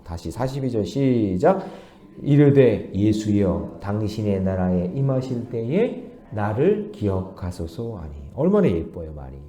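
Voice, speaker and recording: Brief: male pastor, early morning sermon, lively swings of pitch, warm mellow tone, leads the congregation in reading verses. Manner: animated, questions the congregation.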